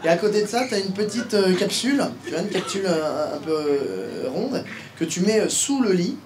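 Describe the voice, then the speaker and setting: A man's voice: sits high, animated, moderate pace. A teasing male stand-up comedian on stage. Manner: playful, teasing, hesitant with fillers. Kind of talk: live stand-up with crowd work. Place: comedy club stage before an audience. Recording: loud noisy live club recording. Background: audience laughter.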